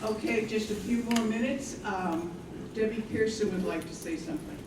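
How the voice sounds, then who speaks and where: A woman's voice: fairly high pitch, moderate pace, a loud crowd. A woman informally introducing speakers as host of a live event. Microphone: shared event microphone. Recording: echoey room, distant, clearly noisy.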